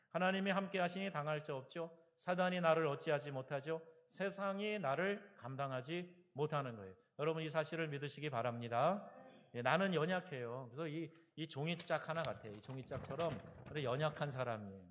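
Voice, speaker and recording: A man in his thirties preaching a sermon as pastor, swinging between loud exhortation and quiet asides. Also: fairly high pitch. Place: church sanctuary.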